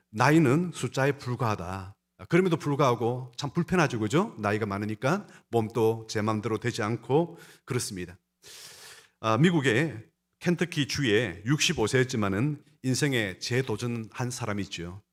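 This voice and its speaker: A male pastor preaching a sermon and speaking straight to his congregation, with an emphatic delivery that rises and falls. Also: medium pitch. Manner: emphatic, rising and falling delivery; talks to the congregation directly.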